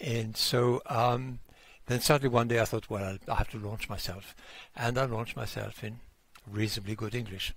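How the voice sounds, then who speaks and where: A man with a slight French accent speaks at a medium pitch and a moderate pace, somewhat breathy. His intonation is fairly even on a very clean recording with a silent background. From France. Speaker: intercultural trainer and consultant. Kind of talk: podcast interview. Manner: hesitant, many fillers.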